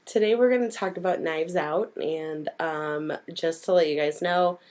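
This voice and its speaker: A woman with a hoarse voice from a cold, chatting casually and informally as a podcast co-host, given to giggling. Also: deep voice, moderate pace, a little mellow. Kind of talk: casual chat.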